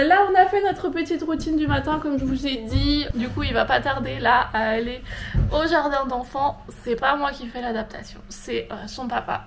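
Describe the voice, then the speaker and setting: A young woman, tired and sniffly with a cold, chatting casually at home for her vlog with lots of hesitant fillers. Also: high voice. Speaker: vlogger. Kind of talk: casual vlog chat to camera.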